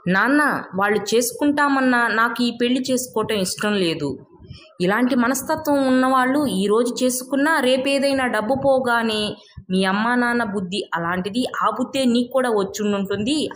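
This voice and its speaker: A woman's voice: fairly high pitch, normal speed, fairly bright tone, a little hiss or hum, voice pushed up, close to an everyday voice. A woman voicing a principled young village daughter in a storybook tale, speaking earnestly and firmly. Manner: earnest, reasoning.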